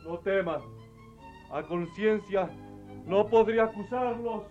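Radio drama: sensible but excitable village overseer, high voice, very animated, music behind. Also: male voice, slow pace, muffled recording. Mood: insistent. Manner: exclamatory, swinging from matter-of-fact to loud alarm. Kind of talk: theatrical radio play acting.

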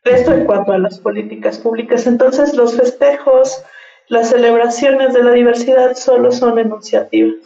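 A woman, a linguist from Mexico, explaining things in a measured way as a radio guest on the phone. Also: on the high side, fairly even intonation, vocal fry, mellow. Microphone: phone line. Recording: distant, roomy, muffled phone line.

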